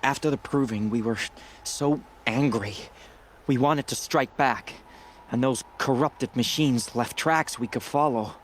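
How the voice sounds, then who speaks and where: An anguished tribal hunter from a video game, played by a male actor, pleads in halting, broken phrases. His voice is middle-pitched and full of fear and shame, over faint background noise. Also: natural voice. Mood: haunted, grieving. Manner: halting, breaking off mid-sentence. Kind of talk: dramatic video game dialogue acting.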